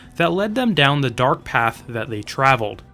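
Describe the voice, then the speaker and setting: A man at a moderate pace, his pitch swinging very widely, with music in the background. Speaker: We take a look at the raiders as a whole. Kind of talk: lore narration.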